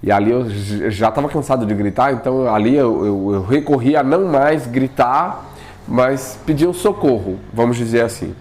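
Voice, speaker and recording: A man's voice: medium pitch, normal speed. A man, telling a personal experience in casual spoken storytelling and acting out what he said back then. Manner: animated, acts out his own past pleas, often asks himself "por quê?".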